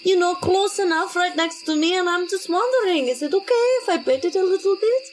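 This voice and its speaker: Woman as a high-pitched, eager adventurer girl. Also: a little fast, slight background noise. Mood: eager, pleading. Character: eager, curious, pleading adventurer girl who loves animals.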